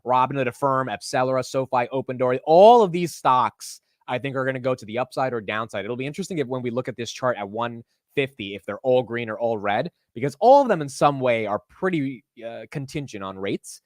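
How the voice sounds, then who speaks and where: A young man with a deep voice hosting a live market stream in casual, animated chat. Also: a little fast, dry recording, clean studio sound. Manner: animated, says "dude" and "like" a lot.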